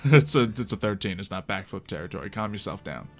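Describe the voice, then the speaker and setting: A man's voice: low voice, expressive, fast talker, soft background music. A man narrating a casual tabletop roleplay as game master, chuckling and joking with his players.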